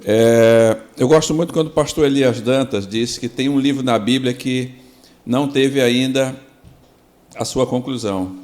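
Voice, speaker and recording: A Brazilian man, a pastor, speaking earnestly on a devotional podcast and slowing down to quote scripture and prayer. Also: mid-range voice, darkish tone. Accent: Brazilian Portuguese.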